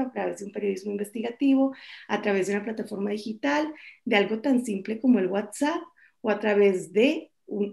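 A woman in her forties, a journalist speaking on a conference panel over a video call, candid and lively with joking asides. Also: medium pitch, vocal fry. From Mexico. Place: home office, indoors.

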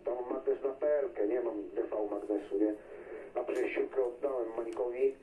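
A man's voice: mid-range voice, steady tone, normal speed. A Polish man chatting casually as a CB operator over a radio transmission. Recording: tinny, noisy CB radio signal, far and echoey.

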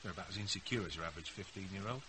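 A man's voice: deep voice, racing, noisy background, lightly acted. An actor playing a blunt, cocky, wry British businessman in a naturalistic radio drama. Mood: blunt, assured. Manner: blunt, matter-of-fact, wry. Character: blunt, cocky businessman, tipsy partner of a mother.

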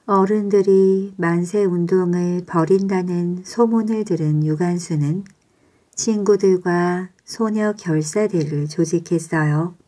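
A woman telling a bedtime story in a calm, measured, soothing way. Her voice is mellow and a little low, and she takes her time over every phrase.

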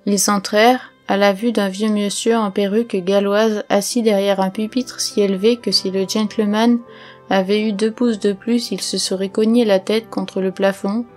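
A woman narrating a classic story for an audiobook in a measured, even reading. Her pitch sits mid-range and barely rises or falls. Faint instrumental music plays behind her. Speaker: audiobook reader. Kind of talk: scripted narration.

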